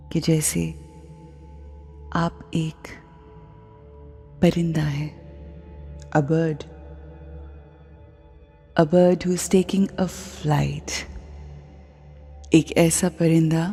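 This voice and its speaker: A woman with a South Asian accent leads a guided meditation in a hushed, soothing, breathy voice, leaving long pauses. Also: low-pitched. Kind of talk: slow guided meditation narration. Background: faint music.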